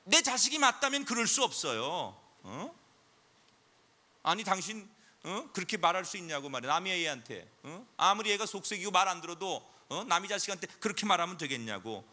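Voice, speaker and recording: A male pastor preaches with animated storytelling. His voice is high and very bright, and it rises and falls widely. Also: a little fast. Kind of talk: sermon.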